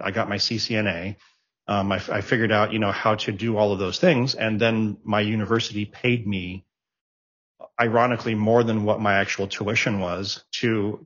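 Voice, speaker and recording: A man's voice: fairly low pitch, a bit bright, slightly rough, muffled recording. A middle-aged man in a casual interview, a rambling storyteller who restarts and repeats words as he goes. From raised abroad, born in Japan, raised in Germany. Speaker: interview guest, tech professional.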